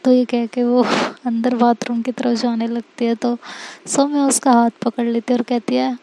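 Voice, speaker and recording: A young woman narrating a romantic story slowly and softly, mixing English words into her speech. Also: on the high side, level tone, rough recording. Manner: slow, soft, mixes English words.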